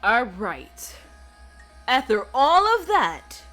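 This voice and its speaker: A woman hosting a let's play, giving excitable game commentary that often stammers and reacts out loud. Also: on the high side, drawn-out words, faint music behind.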